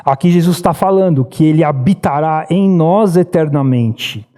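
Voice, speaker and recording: A man's voice: moderate pace, dark tone. A man in his thirties with a Brazilian accent, preaching a sermon in church and telling stories earnestly. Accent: Brazilian Portuguese. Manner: earnest storytelling preacher, rises in pitch when urging. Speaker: pastor. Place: church sanctuary.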